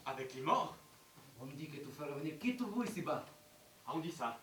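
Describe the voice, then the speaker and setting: A man's voice: on the high side, animated, a little fast, bright, forceful tone, husky, exaggerated voice. A man acting the part of an earnest young son in an amateur stage play, with a declamatory delivery. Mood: questioning. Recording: echoey stage sound from far off, noisy.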